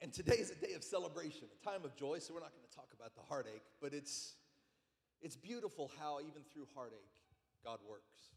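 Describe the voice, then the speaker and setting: A man talks in a plain, everyday voice at a fairly quick pace and fairly high pitch, with lively intonation and big swings in loudness. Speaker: lead pastor. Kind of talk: heartfelt speech at celebration. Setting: church stage with audience.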